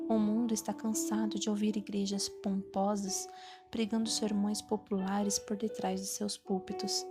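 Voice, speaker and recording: A woman with a Brazilian Portuguese accent narrates a Christian devotional book in an earnest, steady manner. Her voice sits at an ordinary middle pitch. Clear instrumental music plays beneath the reading throughout. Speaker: audiobook narrator.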